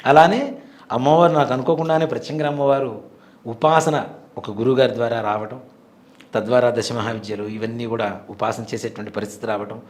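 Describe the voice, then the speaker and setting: A man's voice: medium pitch, fairly even intonation, brisk. A man in his forties, a temple priest, earnestly telling a devout personal story in an interview. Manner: earnest, devout, vivid retelling.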